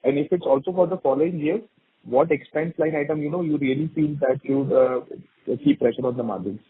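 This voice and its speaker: A man speaking as a financial analyst putting questions on an earnings call by phone, in a halting, conversational way. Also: on the high side, slightly rough, no room sound. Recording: muffled narrow phone line.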